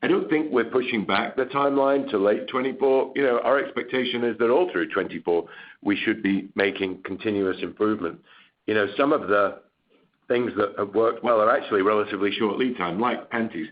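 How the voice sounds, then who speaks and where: A man speaking as a chief executive on an earnings call, giving candid, measured, unscripted business commentary. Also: lowish voice. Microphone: conference call line. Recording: dull, lo-fi conference call audio.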